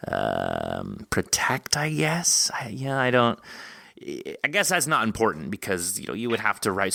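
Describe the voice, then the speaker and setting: A man with a fairly low, forward and bright voice, recorded close and very dry. He speaks as a podcast host in conversation, feeling his way through long, halting questions. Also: vocal fry, dry recording. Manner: halting, thinking aloud, rambling questions. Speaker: podcast host interviewing an author. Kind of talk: conversational interview.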